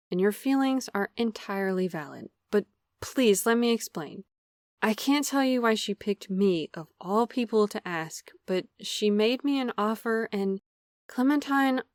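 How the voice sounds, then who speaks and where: An actress playing a guarded perfectionist young office worker in an audio drama, measured, articulate and earnest. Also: female voice, medium pitch, dry recording, studio quality, natural voice.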